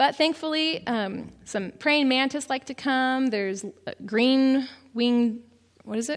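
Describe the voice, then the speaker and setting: With an American accent, a woman speaks fairly slowly at a high pitch with ordinary pitch variation, recorded very cleanly against a silent background. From Texas. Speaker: farmer and agriculture teacher. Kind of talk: conference workshop presentation. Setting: conference room with live audience.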